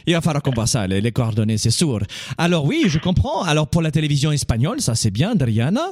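A man hosting a live radio call-in show from a studio, chatty and encouraging, with quick interjections. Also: fairly high pitch. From Italian descent. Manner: animated, quick interjections and repeated reassurances.

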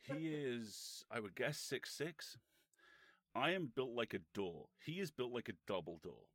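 A man's voice: medium pitch, lively intonation, a little slow, a bit bright, dry recording. A British man co-hosting a podcast, telling casual anecdotes in a profane, wry storytelling manner. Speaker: podcast co-host.

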